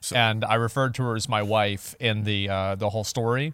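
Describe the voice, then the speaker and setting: An ordinary speaking voice. A man talks at a fairly quick pace with a fairly low pitch and fairly even intonation. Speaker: podcast co-host. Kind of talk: casual chat.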